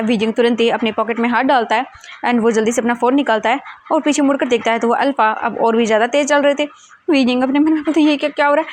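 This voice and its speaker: A woman's voice: a little high, slight background noise. A woman casually retelling a fan fiction story in a chatty way. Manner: chatty, retells scenes with many quotes.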